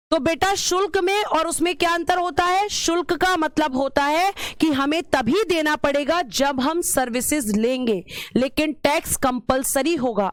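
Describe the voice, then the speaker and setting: A woman's voice: sits high, no echo, studio quality. A woman teacher giving an exam-prep lecture, repeating key terms and asking and answering her own questions, calling her students "beta".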